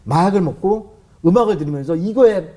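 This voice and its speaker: A middle-aged man tells a story from his past as a talk show guest. His husky, darker voice swings widely in pitch. He talks fast and acts out the voices and thumping sounds in the story. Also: lively intonation, dark tone. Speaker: guest telling a life story.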